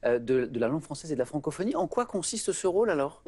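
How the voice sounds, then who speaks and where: Husky male quiz show host. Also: on the high side, fast. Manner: lively, prompting guests with follow-up questions. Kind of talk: TV game show hosting. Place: TV studio with audience.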